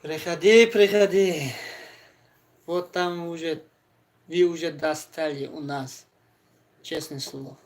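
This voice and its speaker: A man's voice: a little high, steady tone, slow, long pauses. A man who is a native Tajik speaker, with a Central Asian accent, chatting casually on a live stream. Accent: Central Asian accent in Russian.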